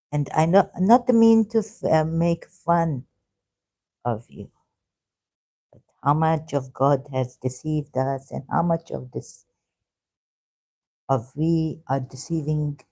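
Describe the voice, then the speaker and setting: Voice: medium pitch, mellow. A vlogger talking in an unscripted monologue about religious texts, rambling and hesitant, often stopping and restarting and asking rhetorical questions.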